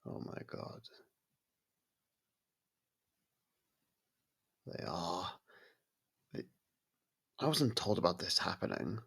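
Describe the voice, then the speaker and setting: A man playing a courteous, brooding vampire in an intimate ASMR audio roleplay, with a gravelly, husky voice and halting, hushed delivery. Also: sits low, very animated, heavily acted. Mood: disbelieving, flustered. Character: brooding male vampire, courteous, softened toward a human. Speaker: voice actor.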